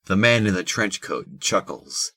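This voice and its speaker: Deep-voiced male audio drama narrator. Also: lively intonation, a little slow, pushed and bright.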